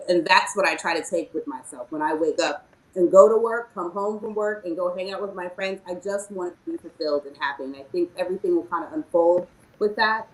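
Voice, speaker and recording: A woman's voice: on the low side, reverberant, low-quality recording. A woman chef speaking earnestly and emphatically on a panel about her experience at work. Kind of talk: panel discussion, personal story.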